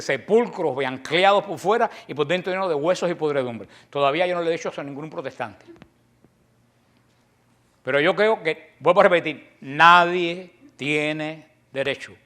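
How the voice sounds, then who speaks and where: A man's voice: a little high, fairly bright tone. A man with a Cuban accent preaching a combative sermon, full of rhetorical questions to his listeners. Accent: Cuban Spanish. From Cuba.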